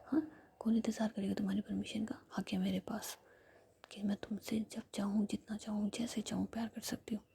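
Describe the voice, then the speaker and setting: A woman's voice: medium pitch, level tone, fairly quick, gravelly, close to an everyday voice. A woman whispering the lines of an affectionate, dramatic young woman who pleads and coaxes. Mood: playful. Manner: soft whisper, coaxing.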